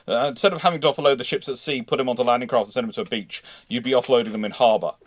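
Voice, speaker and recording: A man's voice: medium pitch, very fast, dry recording. A man hosting a live history question-and-answer discussion, rambling and often restating himself mid-sentence. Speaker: host of a live naval history Q&A.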